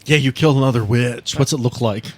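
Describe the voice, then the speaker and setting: A man's voice: mid-range voice, fast talker. A man running a tabletop game as game master, narrating and talking casually with players. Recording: music playing behind the voice. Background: music.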